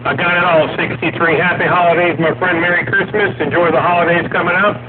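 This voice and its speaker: Friendly Florida CB caller, a bit high-pitched, thin phone-like signal, thick static. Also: male voice, fairly even intonation, fast, music in the background. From Central Florida. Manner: friendly, formulaic radio sign-offs. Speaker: CB radio caller. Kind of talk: CB radio chat. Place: home station in Central Florida. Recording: tinny radio signal with loud noise.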